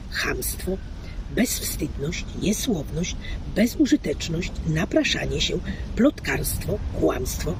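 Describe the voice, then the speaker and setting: A woman giving a formal literary reading in a deliberate, declamatory, carefully enunciated way. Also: lowish voice, background noise. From Poland. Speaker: reader, fan club member.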